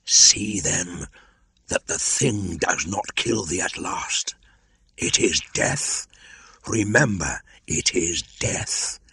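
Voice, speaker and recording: A man voicing a bitter old white cobra guarding treasure, speaking in a slow, hissing, breathy whisper. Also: deep voice, bright, forceful tone, dry recording, full character voice. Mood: ominous. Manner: slow, menacing.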